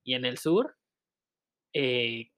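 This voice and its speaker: A man's voice: medium pitch, expressive, drawn-out words, fairly bright tone, smooth. A man with a Mexican accent co-hosting a casual podcast chat, joking and laughing often. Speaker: podcast co-host.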